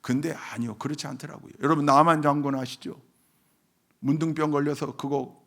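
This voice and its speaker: A man, a pastor, preaching a sermon at a church dawn prayer service. He swings from loud exhortation to hushed near-whispers, calls on the congregation for amens, and acts out biblical characters in dialogue. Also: mid-range voice.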